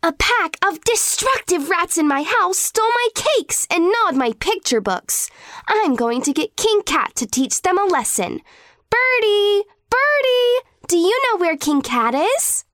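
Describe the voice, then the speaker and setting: A woman's voice: measured pace, dry recording, clean studio sound, full character voice. A woman voicing a young cat princess in a children's cartoon. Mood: cross. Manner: high, sing-song, expressive. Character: young cat princess, sweet but cross.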